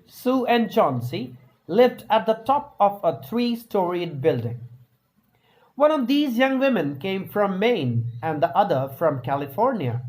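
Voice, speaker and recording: A man narrates a scripted short story in a high voice. His pace is slow and deliberate, and he dramatizes the telling as a storyteller would. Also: a little mellow, low-quality recording.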